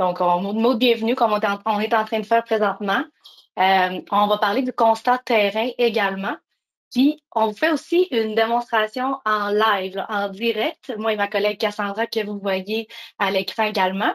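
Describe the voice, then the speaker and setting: The sound is dry and close with no echo as a woman of fairly high pitch speaks at a moderate pace with ordinary pitch variation. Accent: Saguenay. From Quebec, Saguenay. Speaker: company co-founder, former kinesiologist. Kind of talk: webinar presentation. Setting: live webinar. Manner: hesitant, many fillers.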